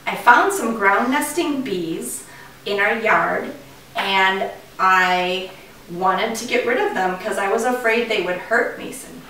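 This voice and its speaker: A woman's voice: medium pitch, slow pace, pushed and bright. A middle-aged woman presenting an educational lesson for children, introducing things as an author would. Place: living room at home, indoors. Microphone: far camera. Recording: echoey room, distant camera, faint noise.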